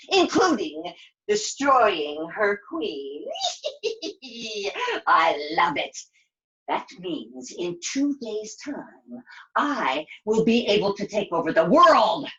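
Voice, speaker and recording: Evil puppet-show queen: vain, scheming, theatrical cackler, slow and swooping in pitch, on a dull recording. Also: bright, forceful tone, exaggerated voice. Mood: gloating, scheming. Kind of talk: live puppet show villain.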